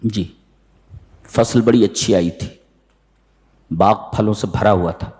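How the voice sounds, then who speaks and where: A man giving a sermon that explains the Quran, telling the story with lively, theatrical delivery. He jumps into high-pitched voices when acting out characters and chants the Arabic verses slowly. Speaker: Quran commentary preacher. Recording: hall reverb.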